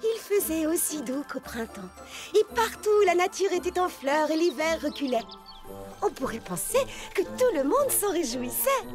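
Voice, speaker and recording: A woman voicing a patient, playful storyteller in a children's cartoon, narrating in an expressive, teasing way. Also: very high-pitched, normal speed, over music. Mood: suspenseful. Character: patient, playful female storyteller reading her own book.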